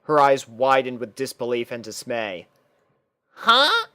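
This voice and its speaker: A man's voice: mid-range voice, measured pace, a bit bright, dry recording, studio quality. A man reading fan fiction aloud as scripted, storybook-style narration.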